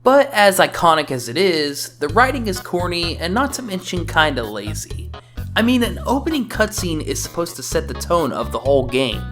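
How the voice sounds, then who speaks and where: Male reviewer: sarcastic scripted commentary, mid pitch with big swings, faint music bed. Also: sing-song, normal speed. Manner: wry, sarcastic. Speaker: game reviewer.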